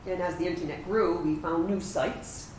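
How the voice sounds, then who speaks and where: A woman's voice: fairly low pitch, fairly even intonation, moderate pace, natural voice. A woman performing a staged monologue as a reflective trans veteran around fifty, recorded in a room. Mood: hopeful, reflective. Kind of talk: theatrical dramatic monologue reading. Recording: echoey, distant mic, hissy room noise.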